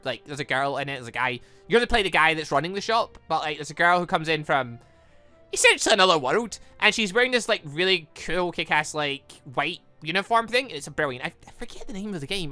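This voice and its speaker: British guy doing lets play commentary, bright animated voice, rambles n fumbles words, dry mic w faint music behind. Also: fairly high pitch, dry recording. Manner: rambling, stumbles over words and corrects himself. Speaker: gaming video host. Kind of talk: casual let's-play commentary and read-aloud of a visual novel.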